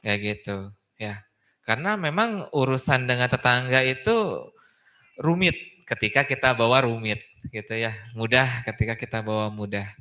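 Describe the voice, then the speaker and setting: A man's voice: mid-range voice, moderate pace, sharp tone. A man giving a casual Islamic study talk in a mosque, chatty and often tagging his phrases with a questioning aside. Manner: chatty, tags phrases with "gitu kan ya". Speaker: preacher.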